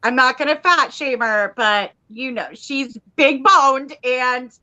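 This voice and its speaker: A woman's voice: sits high, slow pace, bright, forceful tone. A woman joining a casual livestream chat from home as a guest, talking in an easygoing way and laughing between phrases. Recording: dull lo-fi livestream audio.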